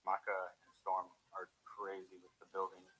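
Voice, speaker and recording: Deep, bright, fast-talking Swedish man. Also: monotone, rough recording. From Sweden. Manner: casual, enthusiastic storytelling. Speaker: game map designer. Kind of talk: documentary interview.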